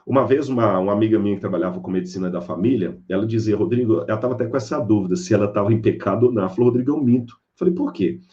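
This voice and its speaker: A man's voice: on the low side, very fast, few pauses, highs cut off. A man giving a sermon-style Bible lecture, telling stories and acting out the people in them. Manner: animated storyteller acting out characters. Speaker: preacher.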